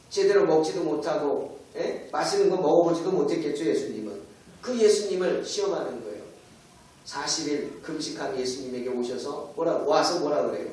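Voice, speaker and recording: A man's voice: a little high, darkish tone. A man pastor preaching a sermon dramatically, often asking the congregation rhetorical questions. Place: church sanctuary. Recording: echoey church hall, mic far off.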